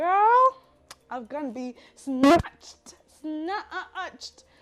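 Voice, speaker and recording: A woman's animated tone and lively intonation, over noticeable background noise. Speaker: lifestyle vlogger. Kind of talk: casual vlog monologue.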